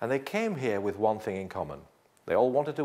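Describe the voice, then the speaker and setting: On a very clean recording with a silent background, a man speaks with a Yorkshire accent. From northern England, Yorkshire. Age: 60s. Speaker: documentary presenter. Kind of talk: scripted narration. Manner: formal.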